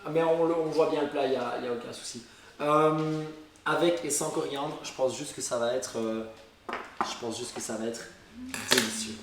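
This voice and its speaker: A man's voice: medium pitch, moderate pace, echoey room, background noise. A man from Belgium with a Liège accent, hosting a casual nutrition cooking show, talking with many fillers and now and then bursting into emphatic exclamations. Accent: Belgian French, Liège. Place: kitchen with people around.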